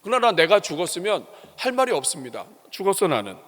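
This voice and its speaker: Male pastor preaching in a church, fairly high voice, long hall reverb, emphatic. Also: sing-song, quick pace, fairly bright tone. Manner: emphatic, rhetorical questions to the congregation. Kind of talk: sermon. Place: church sanctuary.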